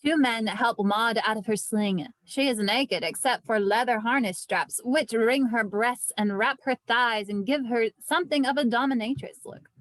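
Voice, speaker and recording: A woman's voice: a little high, normal speed, dry recording, low-quality recording. A woman narrating stage directions from a script at a table read.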